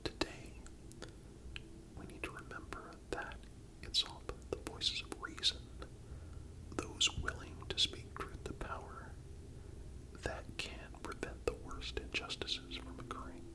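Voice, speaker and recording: An ASMR narrator speaks entirely in a breathy whisper, without voicing. The delivery is calm and measured, reading scripted history narration with deliberate phrasing. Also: low-quality recording. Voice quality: breathy unvoiced whisper throughout. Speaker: narrator and channel host.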